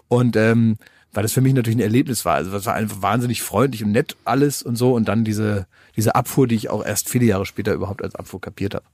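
A man's voice: mid-range voice, no echo, clean studio sound. A man co-hosting a podcast who tells long, rambling anecdotes full of fillers in casual banter. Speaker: podcast co-host.

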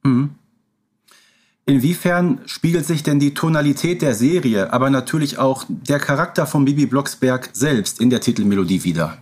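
A man's voice: medium pitch, lively intonation, moderate pace, a little mellow. A man co-hosting an interview podcast, putting prepared questions to a guest.

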